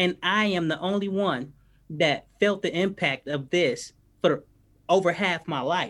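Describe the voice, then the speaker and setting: This man's voice sits high and moves at a fairly slow pace. His pitch varies in an ordinary way. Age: 30s. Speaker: criminal justice activist and author. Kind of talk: interview.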